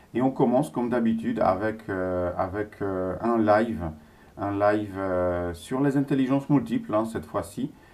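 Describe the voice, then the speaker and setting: Moderate pace, ordinary pitch variation. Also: man. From Poland. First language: Polish (speaking French). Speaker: speed-reading coach and brain trainer. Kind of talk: live stream talk. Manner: halting, many fillers.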